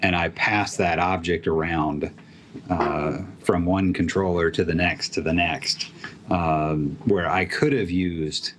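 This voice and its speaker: Deep-voiced man, halting casual tech talk. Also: fairly even intonation, fairly bright tone, slight background noise. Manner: halting, many fillers and restarts. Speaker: app developer guest.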